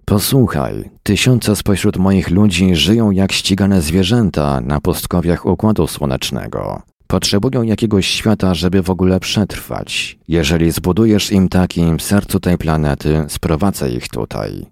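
A man's voice: low voice, animated, a little slow, gravelly, few pauses, a little mellow, dry recording, studio quality, heavily acted. A man reading the lines of a desperate, trapped space traveller, urgent and pleading.

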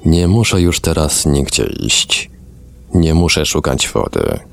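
A man reading the lines of a tired young woman under hypnosis, in slow, subdued, matter-of-fact answers. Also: a bass voice, very animated, gravelly, full character voice. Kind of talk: reading a hypnosis session transcript aloud.

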